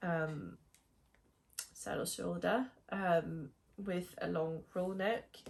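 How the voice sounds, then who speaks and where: A somewhat breathy woman's voice at a medium pitch. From Denmark. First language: Danish. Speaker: knitting podcaster. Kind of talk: casual talk to camera.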